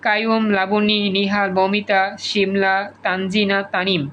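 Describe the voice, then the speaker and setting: A man with a Bangladeshi Bengali accent teaching an online class over a video call. He repeats words slowly to drill pronunciation and calls on students by name. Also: high voice, monotone, a bit bright, muffled recording, slight background noise. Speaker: tutor.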